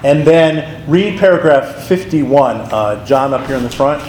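A man's voice: fairly high pitch, lively intonation, measured pace, a little mellow. A man recovering from laryngitis, leading an adult catechism class and calling on readers. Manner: explanatory, calls on readers by name. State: hoarse from laryngitis. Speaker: pastor teaching a class. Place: church classroom. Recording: echoey room, faint noise.

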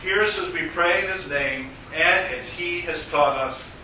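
A man leading a worship service as pastor, intoning prayers and liturgy in a measured, solemn way, with a cathedral echo around his voice. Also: a little high. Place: large church sanctuary. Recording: echoey church, mic from far off, noisy.

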